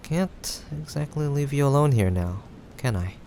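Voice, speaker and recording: A young man playing an affectionate, teasing male friend who is a bit awkward, speaking haltingly in an intimate roleplay addressed to the listener. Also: mid-range voice, vocal fry. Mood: gently reassuring. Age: young adult. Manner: halting, hesitant, with sighs and soft chuckles. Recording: steady background noise, rain ambience. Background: rain sound effects.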